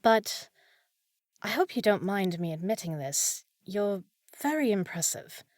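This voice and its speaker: A woman's voice: medium pitch, expressive, a little slow, no echo, natural voice. A woman playing a short, fussy young village housekeeper in a fantasy audio roleplay, proper and easily flustered, scolding yet caring. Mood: admiring, modest. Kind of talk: scripted fantasy audio roleplay, spoken to listener.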